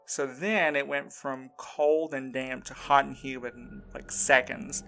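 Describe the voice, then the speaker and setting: Casting: male actor for shaken, earnest man in an audio drama, mid-range voice, halting and defensive delivery, music underneath. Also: mid-range voice, steady tone, creaky, bright, forceful tone. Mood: shaken, urgent. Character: shaken, insistent man recounting a frightening ordeal. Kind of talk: audio drama acting, first-person recounting.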